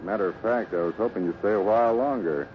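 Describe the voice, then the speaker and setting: An actor playing a steady, fatherly ranch boss with a plain-spoken, measured way in a 1950s radio western. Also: on the low side, natural voice. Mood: friendly, frank. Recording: muffled, noisy old radio recording.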